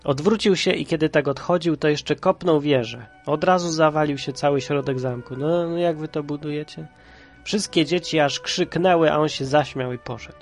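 A man from Kraków with a head cold, reading a children's story aloud in a lively, playful way. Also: a little high. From Kraków, Poland. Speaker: storyteller and podcast host.

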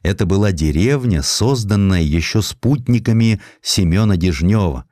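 A man's voice: deep voice, animated, moderate pace, dark tone, no room sound, clean studio sound. A man reading historical essays as an audiobook narrator, telling them expressively with wry, theatrical emphasis.

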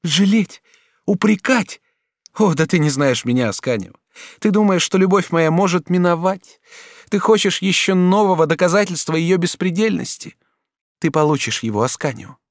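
An ardent, jealous court duchess, put on by a male audiobook reader, who pleads and scolds by turns. The voice sits noticeably higher than a man's usual speech. The recording is close and dry, with no room sound. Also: animated, moderate pace, dry recording. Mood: passionate. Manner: pleading, then threatening. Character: passionate jealous duchess, the king's favourite. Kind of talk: audiobook character reading.

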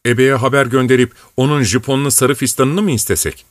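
Fussy older landlady, excited and chattering, as a male narrator puts her on; dry close read. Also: medium pitch, a little fast, dry recording, pitched above the performer's own voice, close to an everyday voice. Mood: flustered fussing. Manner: excited, fussing.

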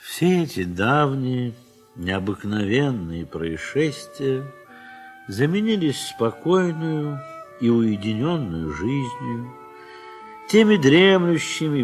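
A man narrating a radio play, reading literary prose in a measured, wistful way with soft, trailing phrase ends. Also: medium pitch, big pitch swings, soft background music.

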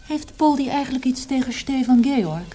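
Mellow, higher-voiced probing wife. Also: female voice, lively intonation, moderate pace. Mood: casual, curious. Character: probing, down-to-earth wife of a troubled poet. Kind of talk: naturalistic radio drama dialogue.

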